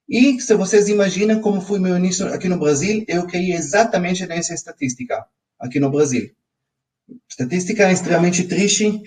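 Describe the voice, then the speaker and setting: A man's voice: a little high, recorded from a distance, low-quality recording. A man from Israel with an Israeli accent, a Hebrew native speaker, leading a live online finance class and prompting his viewers again and again. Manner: energetic, audience-prompting with frequent ok?. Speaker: financial coach.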